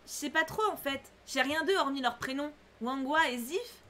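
A woman's voice: high-pitched, normal speed, bright, forceful tone. A woman voicing a curt, haughty young fantasy man in a story game, in a dry, dismissive way.

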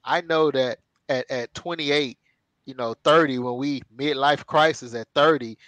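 In a loose, chatty interview held over a video call, a male co-host in his thirties rambles with frequent fillers, laughs and asides, speaking through a headset from a room at home. His voice is mid-range and a bit bright, his pace a little slow. The recording lacks room sound and is of low quality.

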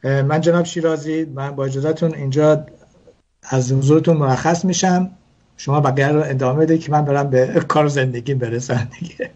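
A man's voice: fairly high pitch, steady tone, a little mellow, highs cut off. A man explaining religious wedding customs in a talk show, hesitant, with many fillers and restarts. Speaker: guest speaker on Jewish customs.

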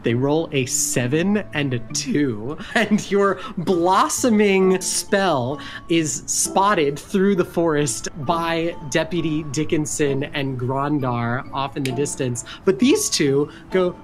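A woman's voice: low voice, slow, few pauses, over music. A woman with an American accent narrating a tabletop game as game master.

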